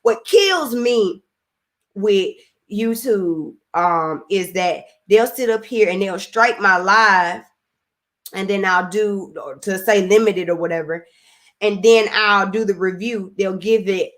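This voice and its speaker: A woman's voice: mid-range voice, takes it slowly. A young woman with a Southern US accent, hosting a casual live stream, reading viewer comments, laughing often and drawing out words. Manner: animated, laughs often, drawls and drags words.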